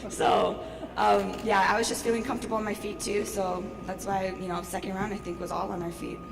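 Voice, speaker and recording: A young woman fighter with a voice gone hoarse, answering press questions in a casual, upbeat way. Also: mid-range voice, flat delivery, brisk. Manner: casual, upbeat, laughs often. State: losing her voice. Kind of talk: post-fight press interview. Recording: noisy long-reverb hall.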